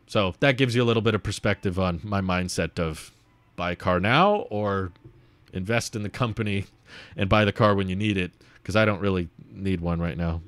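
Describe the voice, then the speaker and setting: Recorded with no echo, a young man's low, slightly bright voice moves at a moderate pace. As a video host in his small indoor home streaming studio, he casually reads and responds to viewer comments, thinking aloud into a desk mic on a boom arm held close.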